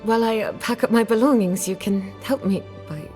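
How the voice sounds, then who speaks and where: An actress playing a proud, sharp-tongued outcast woman scholar in dramatic video game dialogue, articulate, assertive and wry. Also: on the high side, fairly quick, faint music behind, close to an everyday voice. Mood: curious, wry.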